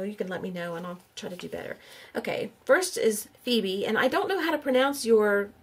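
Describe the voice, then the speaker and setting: A middle-aged woman, chatting casually on camera as she hosts a giveaway, sounding out names aloud and asking viewers questions. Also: mid-range voice. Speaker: YouTube crafter hosting a giveaway. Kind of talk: casual on-camera vlog chat.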